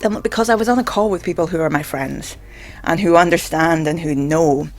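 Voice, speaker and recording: Over soft background music, a mid-range voice talks briskly in a casual, rambling address to the camera. The video blogger stammers, hesitates, and says "like" again and again.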